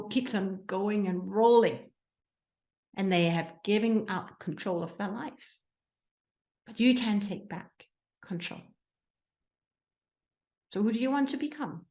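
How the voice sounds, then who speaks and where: Slightly high with a darkish tone, this Danish woman's voice echoes in the room, and her Danish accent is clear. She's hosting as a mindset coach, offering listeners a motivational talk and putting many questions to them.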